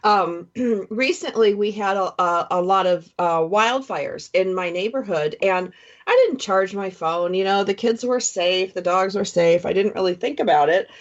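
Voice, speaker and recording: A woman hosting a radio panel chat, telling stories in a lively, quick way. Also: medium pitch. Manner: lively storytelling, quick asides. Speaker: talk radio host. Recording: slightly dull lo-fi sound.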